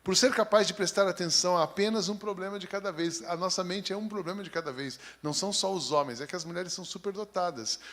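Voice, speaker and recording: Paulistano pastor guy, highish voice, reads the bible then jokes around with the church. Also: fast talker, hardly any pauses, fairly bright tone. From São Paulo, Brazil. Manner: reads scripture steadily, then chats in a folksy, joking way. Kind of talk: sermon with scripture reading.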